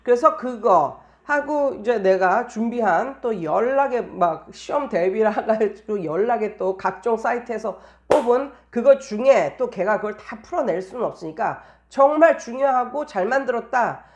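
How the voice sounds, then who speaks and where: A woman with a slightly high, darkish voice works as a private English tutor and shares teaching tips. She talks casually in an anecdotal monologue, explaining points and repeating phrases for emphasis.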